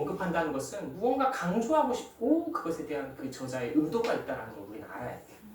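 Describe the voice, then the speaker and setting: Over noticeable background noise, a man races along at a very fast pace, his high pitch moving in very wide swings. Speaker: preacher. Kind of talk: sermon.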